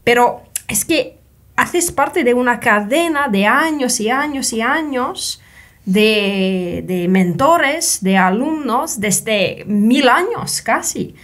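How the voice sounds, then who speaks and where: A woman's voice: fairly high pitch, animated, slow, a bit bright. A woman from Finland, a podcast guest speaking a second language carefully, often correcting herself. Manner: careful, non-native, self-correcting. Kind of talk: conversational interview.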